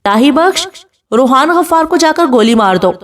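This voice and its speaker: A woman's voice: high voice, expressive, distant mic. A woman reading the part of a cruel young husband who barks orders and threatens in rage, heard from a little way off the mic. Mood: enraged. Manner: commanding, threatening.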